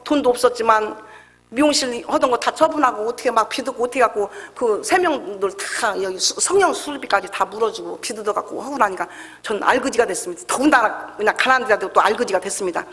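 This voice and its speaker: Fast, bright-voiced woman preacher in echoey hall. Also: on the high side. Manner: emotional storytelling, acting out dialogue. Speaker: pastor. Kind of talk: testimony sermon. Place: church sanctuary.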